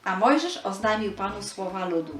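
A woman's voice: medium pitch, sing-song, moderate pace, a bit bright, reverberant, soft background music. A woman giving a scripted narration of a Bible story for children.

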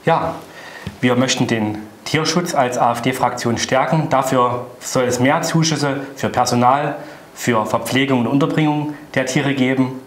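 A man's voice: medium pitch, reverberant. A middle-aged man giving an emphatic, indignant political presentation to camera as a party spokesman.

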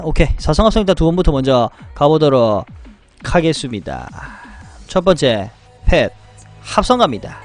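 A high-voiced young man calls out his game draws with big swings in pitch. He chants and shouts when the results go his way. Faint music plays under him. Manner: animated, chants and shouts at good pulls. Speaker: game streamer. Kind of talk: excited gacha pull commentary.

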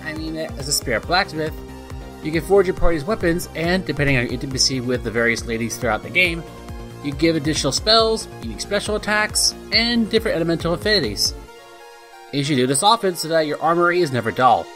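Man, guest game commentary, scripted, slightly high pitch, quick pace, faint background music. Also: sharp tone. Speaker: guest contributor. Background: music behind the voice.

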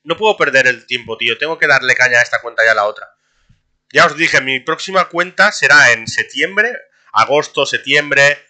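A young man, streaming a game and talking to his chat in a casual, excitable way, laughing often. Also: mid-range voice, normal speed. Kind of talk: casual gameplay commentary.

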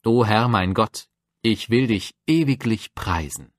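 A man reading psalms aloud for a Bible audiobook, measured and reverent. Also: lowish voice, animated, dry recording, studio quality. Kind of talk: solemn scripture reading.

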